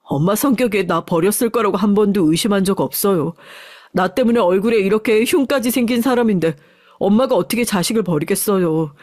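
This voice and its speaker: A woman's voice: medium pitch, darkish tone, no echo, natural voice. A woman voicing a grown son, a company chairman, who speaks politely and pleads close to tears.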